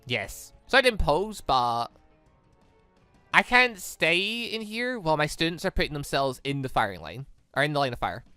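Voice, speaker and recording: Bright-voiced, rambling gamer with lively pitch. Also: moderate pace, no echo. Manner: rambling, thinks aloud, often repeats and rephrases. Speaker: let's play host. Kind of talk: casual gaming commentary, reading visual novel dialogue aloud. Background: game music.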